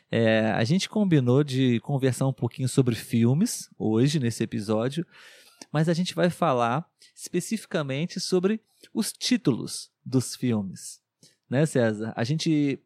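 A man hosting a language-learning podcast, speaking in a clear, measured, encouraging way and often checking in with his guest. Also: medium pitch, darkish tone, no room sound, clean studio sound. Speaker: podcast host.

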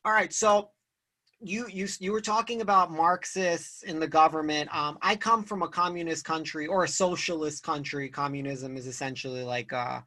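A man's voice: a little high, fairly even intonation, moderate pace, bright, forceful tone. A young man hosting a casual interview, loose and chatty with lots of "like". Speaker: podcast host. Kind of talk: casual conversation.

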